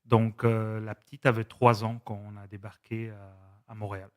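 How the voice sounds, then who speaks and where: A man in his forties, a Spanish speaker, telling his story as a podcast guest in a measured, reflective way. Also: fairly low pitch, little pitch movement, darkish tone. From Switzerland. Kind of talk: casual conversation.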